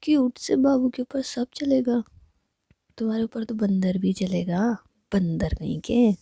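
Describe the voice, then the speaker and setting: A woman narrator voicing a sulky young woman who scolds and teases her partner, in a husky whisper. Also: on the high side, unhurried, mellow, dry recording, clean studio sound, full character voice. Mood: teasing.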